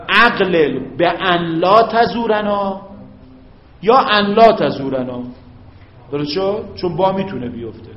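A man with a fairly high voice teaches a grammar class. He draws out each example phrase and keeps pausing to ask whether his students follow. The recording is dull and muffled, and the classroom echoes around him. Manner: drawn-out recited Arabic examples, frequent check-ins with students.

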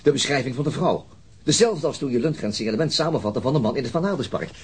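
Very husky, insistent detective. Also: male voice, medium pitch, animated, fast. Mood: pensive, serious. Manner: insistent, probing, serious. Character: earnest, persistent male lead police detective. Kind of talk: naturalistic Dutch radio drama acting.

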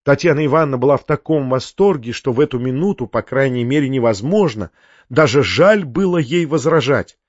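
A man narrating a classic novel as an audiobook, telling it in a lively way. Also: medium pitch, a little fast, no echo, dull audio. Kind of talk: scripted narration.

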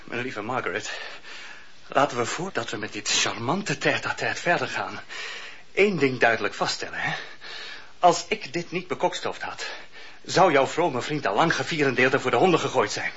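A man's voice: medium pitch, lively intonation, moderate pace, sharp tone. An actor playing a pompous, middle-aged chief judge with gout, patronizing his wife in a radio play. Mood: smug. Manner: smooth, patronizing, groaning in pain. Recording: dull lo-fi radio recording.

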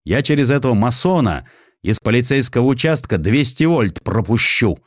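A man's voice: mid-range voice, big pitch swings, moderate pace, dry recording, studio quality, voice pushed up, natural voice. A man voicing a scornful male gendarme general in a historical audiobook, blunt, mocking and colloquial.

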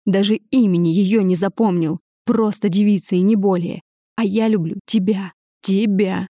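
Женщина читает одержимого злого парня. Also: female voice, medium pitch, fairly even intonation, normal speed, dark tone, no room sound, studio quality, natural voice. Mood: shouting. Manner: menacing, obsessive. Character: possessive angry young man, ex-lover.

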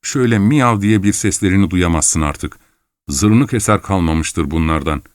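A man's voice: sits low, moderate pace, dry recording, clean studio sound, close to an everyday voice. A man voicing a wiry, graying male adventurer who talks in a mocking, persuasive way in an audiobook. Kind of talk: audiobook character voice.

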